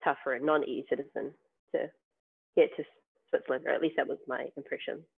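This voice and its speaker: Over a tinny remote line that sounds like a phone, a New Zealander who tests software talks as a podcast guest. His voice sits high with a steady tone, moves fairly quickly, and carries vocal fry and a breathy edge. The interview chat is casual and hesitant, peppered with ums and false starts.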